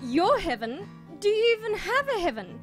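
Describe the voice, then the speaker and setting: A woman's voice: very high voice, very animated, normal speed. A woman playing a devout, secretive nun, affectionate but guarded, in an audio drama with music behind. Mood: flustered, affectionate.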